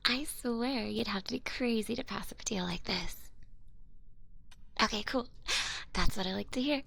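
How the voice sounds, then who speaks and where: A woman playing a cute, sly female goblin potion seller in an ASMR roleplay, smooth-talking and teasing in a soft, half-whispered voice. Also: fairly high pitch, normal speed, exaggerated voice. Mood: slick, persuasive. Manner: smooth-talking, teasing, casual haggler with gentle threats. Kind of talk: ASMR roleplay, hushed and close.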